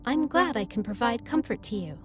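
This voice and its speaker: A woman playing a gentle, earnest female alien starship captain in an audio roleplay, speaking in formal, precise sentences straight to the listener. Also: a little high, lively intonation, brisk, natural voice. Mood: tender, sincere. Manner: formal, precise, slightly stilted wording.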